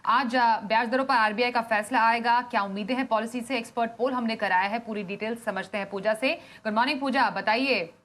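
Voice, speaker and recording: A woman's voice: a little high, steady tone, a little fast, hardly any pauses, fairly bright tone. A woman news anchor introducing a segment and handing over to a reporter in a scripted way.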